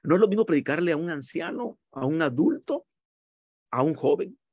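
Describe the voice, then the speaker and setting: Male lecturer on a video call, husky and dry, earnest with plenty of fillers. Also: fairly high pitch, expressive, moderate pace, darkish tone, no echo, dull audio. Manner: earnest, teacherly, with many fillers. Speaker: speaker on evangelism. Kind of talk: lecture on preaching.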